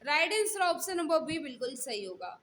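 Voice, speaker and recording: Woman, high-pitched online test-prep teacher, instructional and repetitive, faint noise behind her. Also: very animated, normal speed, a bit bright. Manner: instructional, repeats questions and set phrases. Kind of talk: live mock-test lesson, questions and answers.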